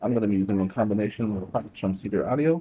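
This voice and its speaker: This man's speech races along very quickly. Behind him, background noise is noticeable. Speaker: audio engineer / tech reviewer. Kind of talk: casual on-location commentary. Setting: outdoors on busy city street.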